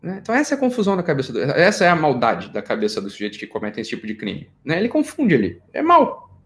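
A man's voice: medium pitch, rapid-fire, slight background noise. A middle-aged Brazilian man giving an informal psychology lecture, joking and firing off rhetorical questions. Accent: Brazilian Portuguese. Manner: animated, jokey, rhetorical questions.

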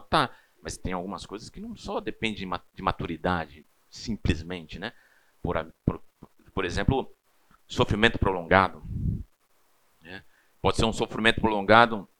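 A man's voice: on the low side, fairly bright tone. A man in his thirties with a Brazilian Portuguese accent, teaching a church class in a casual, chatty way full of personal stories and tag questions.

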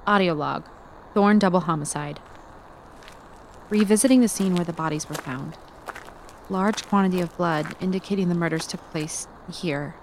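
Methodical detective played by a woman, lowish voice, dry and analytical, audio drama case log over faint background noise. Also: a little mellow, close to an everyday voice, rough recording. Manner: clinical, deliberate, wry.

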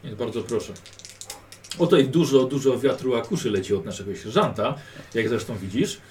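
A man's voice: medium pitch, animated, fairly quick, darkish tone. A man running a tabletop role-playing game, coaching a player's character in a patient, instructive manner. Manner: patient, instructive, drill-like repetition. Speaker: game master. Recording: distant mic with background noise.

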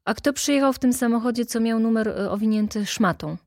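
A woman's voice: a little high, a little mellow, dry recording, clean studio sound, voice pushed up, lightly acted. Woman reading a pressing, overworked prosecutor. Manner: pressing, quick questions. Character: thin, overworked male prosecutor.

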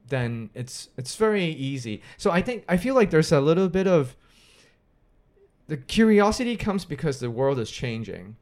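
A young married man from Hong Kong, a guest in a casual podcast chat, talking in a quick, chatty way and greeting his live viewers. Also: medium pitch, darkish tone, clear, resonant tone.

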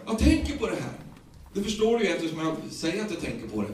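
A man with a Swedish accent preaching a sermon, retelling the story in lively everyday speech with many repeated words. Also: sits high, slight background noise. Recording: echoey, distant room sound.

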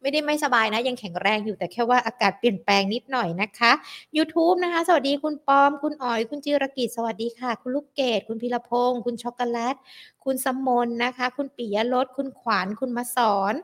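Young female live-stream finance host, a touch hoarse, higher-pitched, chatty and courteous. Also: a little fast. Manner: polite, chatty, peppered with soft sentence particles. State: slightly hoarse. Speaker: host of a stock market show. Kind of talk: live-stream show wrap-up and viewer greetings.

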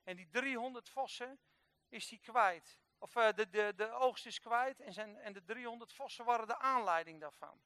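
High-voiced man preaching animatedly. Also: normal speed, no room sound. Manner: lively storytelling, acting out characters, swings from quiet to loud. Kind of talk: sermon retelling a Bible story.

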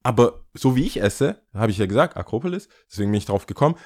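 A man chats on a podcast with lively, animated storytelling, pitched at a medium height. He keeps slipping English slang into his talk, loose and relaxed. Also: fast talker. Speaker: podcast guest. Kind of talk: casual storytelling chat.

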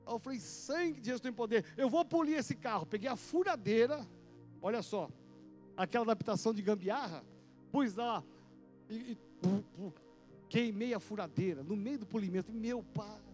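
A male pastor, telling a personal story in a sermon with vivid, animated delivery and sound effects. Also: high-pitched, moderate pace, soft background music.

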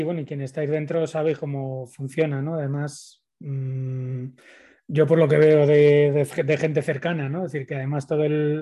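A man's voice: on the high side, dark tone. A man with a Spanish accent from Spain, moderating and talking casually in a seminar discussion.

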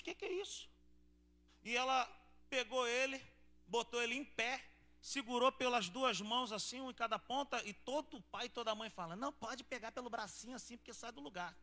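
Man, pastor, Brazilian Portuguese accent, sermon, high voice, bright tone, asks congregation questions. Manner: preaching with rhetorical questions to the congregation. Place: church service before a congregation.

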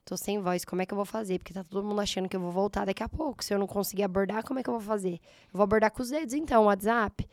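A slightly hoarse woman in her thirties with a Brazilian accent, telling her story in a casual interview and acting out her past thoughts. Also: medium pitch, fairly even intonation, racing, no room sound, clean studio sound. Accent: Brazilian Portuguese. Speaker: guest, entrepreneur.

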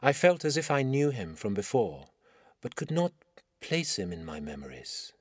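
A middle-aged man with an Iranian accent reading his own literary story in measured, dramatic phrasing. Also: medium pitch, very animated, husky, no room sound, clean studio sound. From Iran. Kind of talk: scripted literary narration.

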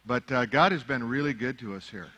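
Preaching at a fairly quick clip, this middle-aged Arabic-speaking pastor has a medium-pitched voice that's a bit bright and slightly rough. His sermon shifts from relaxed conversational comments to impassioned, mounting exhortation.

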